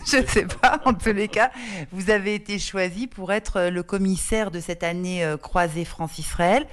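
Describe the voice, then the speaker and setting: An interviewer keeps the conversation going with short prompts and questions. The voice sits at a middle pitch. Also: normal speed, a bit bright.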